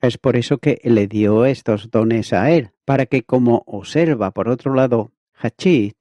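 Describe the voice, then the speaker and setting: A man reading an expository Bible commentary in a measured, methodical way, as if teaching from a prepared text. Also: mid-range voice, warm tone, dry recording. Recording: dull, lo-fi, dry recording.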